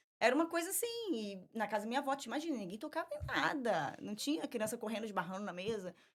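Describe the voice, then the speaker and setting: Very fast and with hardly any pauses, a woman with a Rio de Janeiro accent speaks in a fairly high pitch with very wide pitch swings. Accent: carioca. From Brazil, Rio de Janeiro. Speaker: pastor. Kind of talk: testimony.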